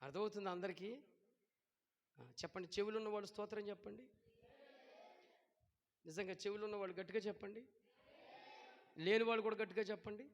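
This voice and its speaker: A pastor preaching a sermon, who keeps asking his congregation questions and shouts at times. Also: high-pitched, steady tone, fairly quick, long pauses, in a large hall.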